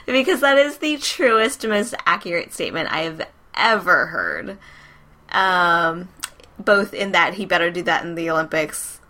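A woman in a casual hockey chat, animated and rambling, with some profanity. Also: lowish voice, measured pace.

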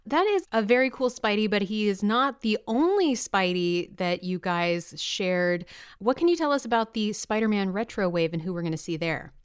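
A woman co-hosting a casual show, asking quick, cheerful questions. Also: mid-range voice, expressive, clear, resonant tone, no room sound, clean studio sound. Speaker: co-host.

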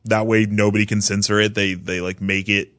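A man's voice: fairly low pitch, level tone, fairly quick, fairly bright tone. A man chatting casually as a podcast panelist, informal and exclamatory, often rambling as he tells things. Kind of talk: casual chat.

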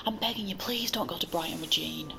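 A woman's voice: fairly low pitch, quick pace, creaky, pushed and bright, a little hiss or hum. A woman voicing a sardonic, gloomy inner voice. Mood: pleading. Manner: sardonic, pleading. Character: scornful inner voice, woman, pessimistic and jealous. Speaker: narrator and inner voice.

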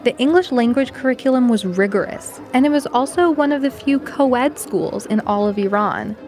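A woman's voice: a little high, normal speed, darkish tone. Woman reporter narrating over music. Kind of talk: scripted news narration.

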